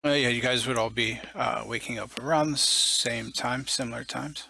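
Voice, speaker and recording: A man's voice: mid-range voice, fairly even intonation, moderate pace, vocal fry, sharp tone, no echo. A man running a tabletop game as game master, laid-back and full of fillers.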